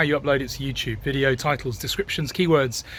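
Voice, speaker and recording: A man speaks with an English accent. Background noise is noticeable. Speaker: drone video youtuber. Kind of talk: casual promo announcement. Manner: casual, chatty.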